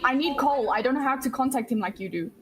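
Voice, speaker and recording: A woman with a slightly high voice plays a tabletop game. She chats in a rambling, casual way and giggles between lines. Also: fast talker, faint music behind, low-quality recording. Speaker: player.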